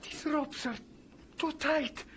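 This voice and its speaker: High-voiced, scared tribal youngster. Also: female voice, fairly even intonation, slow pace. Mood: anxious. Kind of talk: audio drama acting. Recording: loud noise, effects bed.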